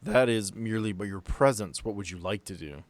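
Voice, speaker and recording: A man's voice: lowish voice, a little fast, no echo. A man narrating a tabletop role-playing game as game master, telling the story in an improvised, conversational way.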